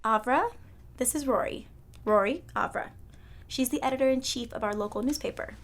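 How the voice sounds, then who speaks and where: A woman's voice: a little high, normal speed, soft background music, natural voice. A woman playing a sly, helpful hospital nurse in a fiction podcast, self-assured and teasing.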